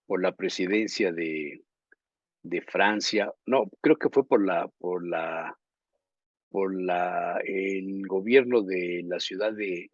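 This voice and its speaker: A Mexican journalist co-hosting a talk show, telling long anecdotes and often pausing to search for words. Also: male voice, low voice, dry recording, lo-fi sound. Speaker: journalist co-host. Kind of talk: casual talk show chat.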